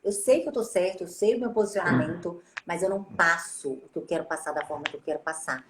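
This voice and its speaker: Animated Brazilian woman host, echoey room. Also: fairly low pitch, fast talker, background noise. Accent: Brazilian Portuguese. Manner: animated, acts out quoted greetings. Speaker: host, speech therapist. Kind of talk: casual interview chat.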